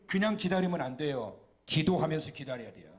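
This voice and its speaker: A male guest pastor preaching a lively sermon at a Friday night church service, joking and having the congregation repeat phrases after him. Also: a little high, fairly quick.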